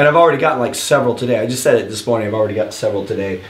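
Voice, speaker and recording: Background noise is noticeable throughout. Over it, a man speaks very fast. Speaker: mobile app developer. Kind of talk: casual talk to camera.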